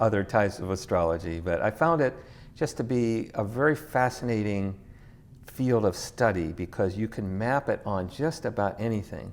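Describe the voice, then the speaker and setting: At a moderate pace, a man with a Pittsburgh accent speaks in a fairly low pitch. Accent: American, Pittsburgh. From US, Pittsburgh, Pennsylvania. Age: 60s. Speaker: paranormal researcher. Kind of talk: interview.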